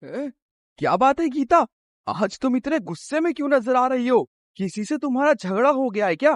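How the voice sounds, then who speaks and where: A man's voice: mid-range voice, lively intonation, a little slow, no echo, clean studio sound, close to an everyday voice. A man voicing a sensible farmer husband in a cartoon story who warns and lectures his wife. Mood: scolding. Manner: lecturing, cautioning.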